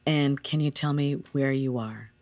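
A calm hospital psychiatrist asks a patient questions in a gentle, clinical way, as an actor plays the part. The voice sits at a middle pitch in an audio drama. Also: unhurried, natural voice. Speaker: psychiatric doctor.

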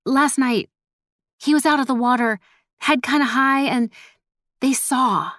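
A woman's voice: high-pitched, unhurried, fairly bright tone, dry recording, studio quality, voice pushed up. Woman voicing a nervous young granddaughter. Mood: anxious, strained. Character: nervous young granddaughter, evasive, fidgety and respectful.

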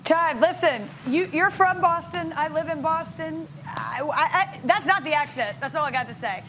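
A woman's voice: high voice, moderate pace, a bit bright, slight background noise. A woman hosting a sports talk show, playful and teasing. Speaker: host.

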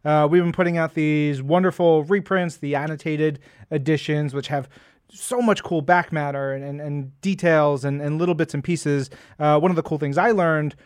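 A man's voice: on the high side, steady tone, moderate pace, clean tone, no room sound, clean studio sound. A man interviewing a guest casually as a podcast host.

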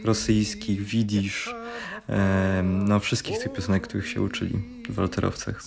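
A man's voice: lowish voice, unhurried, creaky. A man telling an anecdote in a casual way. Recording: crowd chatter behind.

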